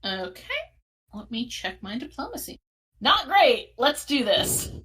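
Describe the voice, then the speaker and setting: Bright-voiced woman player, chatty. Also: a little high, big pitch swings, a little slow. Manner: hesitant, restarts, chatty. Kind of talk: casual tabletop game chat.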